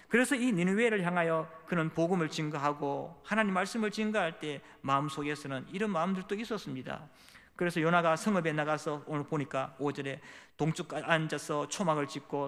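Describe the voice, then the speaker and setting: A man's voice: a little high, a bit bright. A middle-aged male pastor preaching a sermon in a church, dramatically acting out quoted prayers and dialogue. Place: church sanctuary. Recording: long hall reverb.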